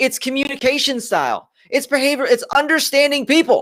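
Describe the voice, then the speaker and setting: A man talks at a fairly quick pace in a bright, sharp, energetic tone. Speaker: leadership and sales coach. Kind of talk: live stream talk. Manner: fast.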